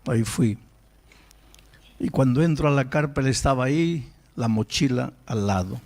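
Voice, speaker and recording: A male pastor telling a story in a sermon, emphatic and animated, often breaking off and restarting his words. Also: mid-range voice, normal speed.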